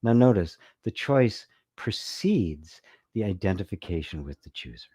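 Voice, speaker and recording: Low, mellow-voiced man teaching. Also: sing-song, slightly rough, no room sound, studio quality. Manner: unhurried, reflective, often ending with "right?"; reads viewer comments aloud. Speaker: spiritual teacher. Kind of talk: live-streamed satsang talk.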